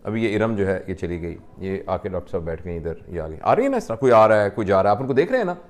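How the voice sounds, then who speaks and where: A man, a doctor, calmly counseling a patient and explaining with simple everyday examples. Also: lowish voice.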